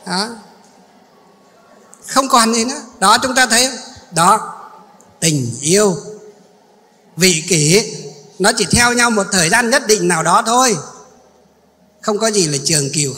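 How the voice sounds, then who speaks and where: A male Buddhist monk delivers a sermon in a high, bright voice. He poses questions to his listeners and then answers them himself. His voice carries a long reverb through a large hall. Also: animated, normal speed, long pauses.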